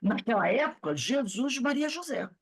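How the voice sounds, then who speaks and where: A woman's voice: fairly high pitch, very animated, normal speed, husky. A woman in her sixties with a Brazilian Portuguese accent, giving an informal lecture to a study group in a chatty storytelling way and acting out the voices she quotes.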